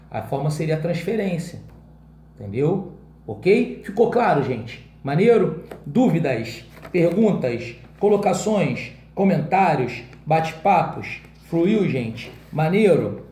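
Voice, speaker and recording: A man's voice: a little high, warm tone, reverberant, a little hiss or hum. A man teaching an exam-prep class in Brazilian Portuguese in a casual way, often checking in with his students.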